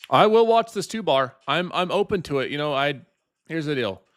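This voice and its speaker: A man's voice: a little high, animated, normal speed. A man in his late twenties chatting casually with his live-stream viewers while trading, teasing them and laughing often. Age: 20s.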